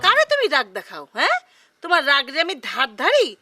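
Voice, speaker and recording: A shrill nagging village housewife. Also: female voice, huge pitch swings, fast, full character voice. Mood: scolding. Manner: scolding, sharp tongue, repeated questions. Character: shrill, nagging middle-aged village housewife, quick to rage. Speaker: mother and wife in a TV serial. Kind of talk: TV drama acting. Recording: background music under the dialogue. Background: music.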